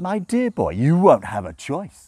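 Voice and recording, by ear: A man's put-on character voice, fairly high in pitch, with very wide pitch swings, a slightly mellow tone, a slightly husky edge, a fairly slow pace, and a dry, close sound with no echo.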